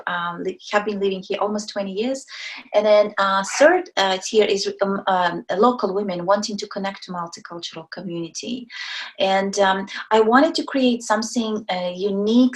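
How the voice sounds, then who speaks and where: Woman in her forties, from Kazakhstan, Russian native speaker, podcast guest, halting speech with fillers. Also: medium pitch. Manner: hesitant, many ums and restarts. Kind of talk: casual interview talk.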